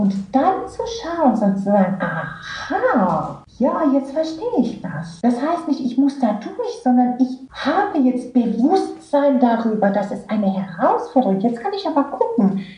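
Against noticeable background noise, a high-pitched woman talks fairly slowly with very wide pitch swings. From Netherlands. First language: Dutch (speaking German). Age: 50s. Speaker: EFT trainer and therapist. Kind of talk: interview. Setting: phone call. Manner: hesitant, many fillers.

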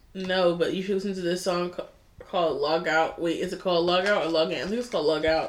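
Noticeable background noise surrounds a woman speaking at a very fast pace. Her tone is animated and her pitch fairly low. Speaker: podcast co-host. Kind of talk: casual chat.

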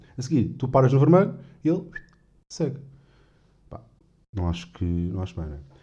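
A man at medium pitch with a European Portuguese accent, a dark, mellow tone and a somewhat breathy sound, with very wide pitch swings, big swings in loudness, a moderate pace and long, frequent pauses, in audible room echo. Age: 20s. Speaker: podcast host and comedian. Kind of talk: casual solo monologue.

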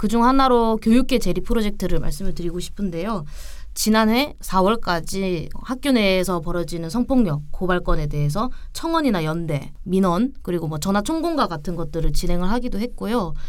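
Audible room echo surrounds a woman speaking at a moderate pace and medium pitch with lively intonation. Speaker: party podcast host. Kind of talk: policy explanation; podcast interview.

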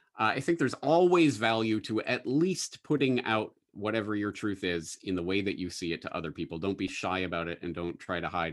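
A fairly low-pitched man with a Canadian accent, very wide pitch swings and a fairly quick pace, against a quiet background. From Canada. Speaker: independent journalist and podcaster. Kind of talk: interview. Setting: live-streamed remote interview.

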